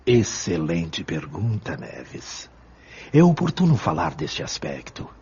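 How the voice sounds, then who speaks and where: A man playing a calm, wise spirit mentor in an audio drama, speaking patiently and firmly with measured, formal, didactic diction. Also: deep voice, slightly rough, heavily acted. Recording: dull lo-fi audio.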